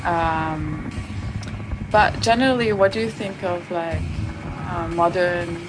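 A woman's voice: fairly low pitch, slow, low-quality recording. A woman from Lebanon interviewing a musician in a casual chat, with many fillers and a chatty, friendly manner. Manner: chatty, with frequent fillers and laughs. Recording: music playing loudly behind.

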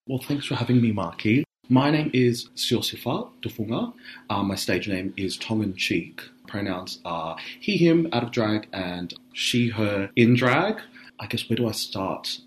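Raspy-voiced man chatting candidly. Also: on the low side, animated, a little slow, slight background noise. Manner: candid, thinking aloud with restarts. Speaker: drag artist guest. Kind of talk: relaxed interview conversation. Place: radio studio.

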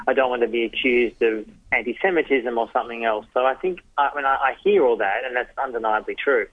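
A man's voice: medium pitch, fairly quick, breathy edge, dry recording. A man, giving thoughtful interview answers in short phrases as a journalist and author. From Australia. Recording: dry tinny phone-line sound.

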